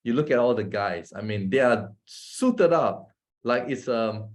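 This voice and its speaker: A man's voice: medium pitch, animated, unhurried. A man from Malaysia with a Malaysian English accent, giving a casual talk to an audience, chatty, often asking "right?" and laughing between points. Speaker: presenter.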